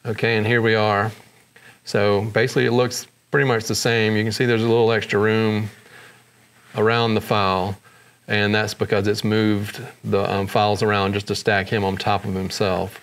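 A man hosting a photography software tutorial, explaining each step in a relaxed way with frequent fillers. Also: fairly low pitch, normal speed, clean tone. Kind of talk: screen-recorded software tutorial.

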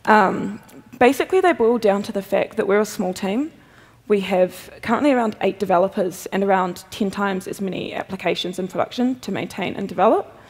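A young woman with a New Zealand accent giving a quick, chatty technical conference talk with self-deprecating humor at a podium. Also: medium pitch, darkish tone, slightly rough. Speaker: conference speaker, software developer. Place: large conference hall, at a podium. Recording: long reverb of a big hall.

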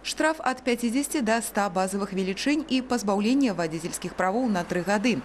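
A woman with a Belarusian accent reading a scripted news report in a measured newsreader manner. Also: medium pitch, a little hiss or hum. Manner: measured, lively newsreader delivery.

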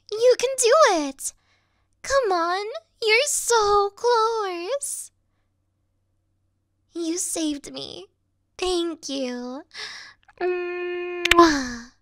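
A woman playing a sweet, clingy young yandere video game girl in a soft, coy, cutesy ASMR roleplay style. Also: very high-pitched, no echo, studio quality, exaggerated voice. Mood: excited, cheerful.

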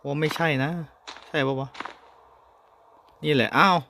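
A man's voice: on the high side, measured pace, creaky, sharp tone, a little hiss or hum. A man hosting a horror game playthrough who chats politely to his viewers and yelps and swears when he gets startled. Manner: addresses viewers politely as ท่านผู้ชม. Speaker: gaming host. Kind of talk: horror game let's play commentary.

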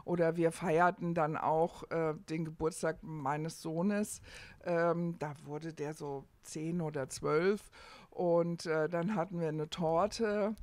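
A middle-aged woman telling stories as an interview guest, pausing and hesitating as she explains. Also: deep voice, steady tone, darkish tone, no echo. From Germany. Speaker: interview guest, family hotel owner. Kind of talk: conversational interview storytelling.

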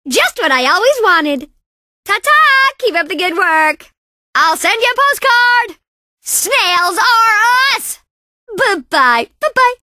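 A woman's voice: very high-pitched, sing-song, takes it slowly, sharp tone, no echo, studio quality, exaggerated voice. A woman voicing a perky, cocky young female bandicoot racer in a video game, with a sassy, boastful, exaggerated cartoon delivery. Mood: delighted, then smug, taunting. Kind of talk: video game character voice lines.

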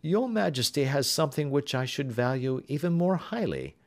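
A man's voice: medium pitch, expressive, normal speed, pitched above the performer's own voice, natural voice. A man reading as a cool, precise detective, formal and restrained.

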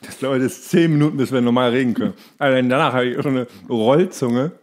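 A man's voice: mid-range voice, fairly quick, a little mellow. A man co-hosting a casual podcast in joking banter, his speech chewy as if his mouth is full. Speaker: podcast co-host.

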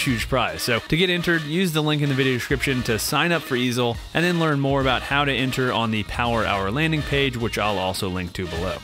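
A man in his thirties, host of a woodworking channel, plainly explaining each step of a build in voice-over. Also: medium pitch. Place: home woodworking shop.

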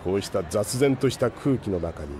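A man playing a stoic, reflective older man with formal, deliberate phrasing in an audio drama. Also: lowish voice, expressive, background noise, lightly acted. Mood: stoic, pensive. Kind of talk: anime-style audio drama acting.

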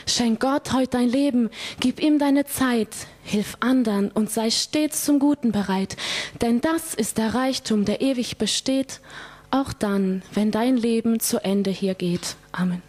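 A woman recites rhymed verse in a fairly high voice. Her delivery is very slow and deliberate, with pauses between phrases and an earnest, measured tone. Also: darkish tone. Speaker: poet reciting own poem at a church.

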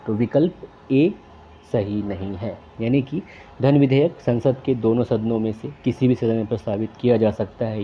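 A man's voice: fairly low pitch, highs cut off, a little hiss or hum. A man working through exam questions, reading each question and its options aloud before naming the answer. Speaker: quiz tutor.

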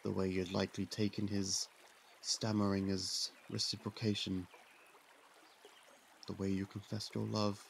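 A man voicing a young royal prince in an ASMR roleplay, candid and persuasive, who confides in a soft, hushed way. His voice sits fairly low and is heavily gravelly with vocal fry. A faint hiss of noise lies underneath. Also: completely flat delivery, measured pace, pauses often. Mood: gentle, confiding. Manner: soft-spoken, confiding, with some hushed whispers. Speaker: voice actor.

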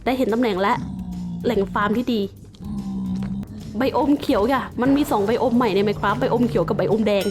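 A woman's voice: on the high side, fairly even intonation, brisk, long pauses, music in the background. A Thai woman playing Minecraft and commenting as she goes, mixing playful mock-villain taunts with polite explanations of the game. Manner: polite sentence endings, explains game facts. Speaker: gaming YouTuber.

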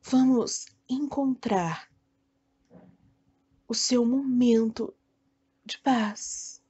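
A Brazilian woman leading a guided meditation in a soothing, deliberate way, speaking in short phrases with long pauses. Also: fairly high pitch, mellow, slightly rough, muffled recording. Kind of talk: guided meditation, self-hypnosis narration.

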